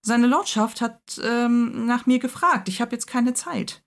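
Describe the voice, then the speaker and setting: A woman's voice: fairly high pitch, measured pace, pitched above the performer's own voice. A woman voicing a nervous, hesitant young male footman who stammers. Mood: hurried.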